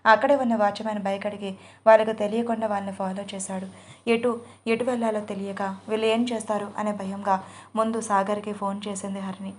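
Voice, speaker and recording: Female storyteller, flat monotone narration, steady audio-story reading. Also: medium pitch, fairly quick. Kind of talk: scripted narration.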